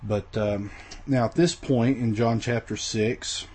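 A man with a medium-pitched, steady, darkish voice teaches a recorded Bible lesson slowly, over slight background noise. He rambles casually with many fillers and restarts, and his voice is weak after the flu.

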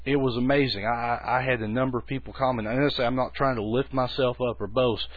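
A man's voice: fairly even intonation, fast, husky, no room sound. A man, giving a folksy, conversational teaching talk on children's ministry. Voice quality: bass voice. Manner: folksy, conversational, many restarts. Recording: tinny phone-like lo-fi recording.

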